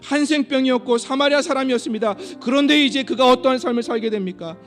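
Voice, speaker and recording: A man's voice: extremely high pitch, quick pace, faint music behind. A man preaching and leading an earnest, fervent prayer as the pastor of a church service. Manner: earnest, fervent praying with rising intensity. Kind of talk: sermon and closing prayer. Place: church sanctuary.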